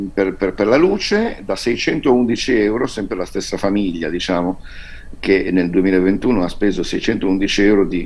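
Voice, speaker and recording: Very slowly, a man speaks at a fairly low pitch. His pitch varies in an ordinary way. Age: 50s. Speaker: economics journalist. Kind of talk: interview on live business TV. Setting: remote video link. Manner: halting, repeats words. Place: home room. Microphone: video call.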